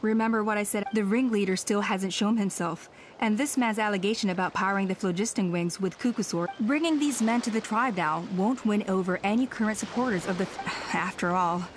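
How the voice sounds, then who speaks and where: A woman voicing a calm, judicious tribal elder in a video game, measured and formal, giving counsel with authority. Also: mid-range voice, a little hiss or hum, lightly acted. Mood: calm, authoritative. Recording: game music behind the voice.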